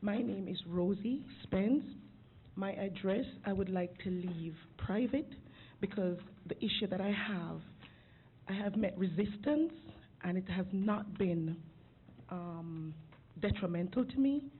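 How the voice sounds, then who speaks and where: Speaking slowly in a mid-range voice, a woman from outside Georgia gives an earnest, emotional public comment at the podium microphone of a city commission chamber. The council recording sounds lo-fi and phone-like, with faint hiss.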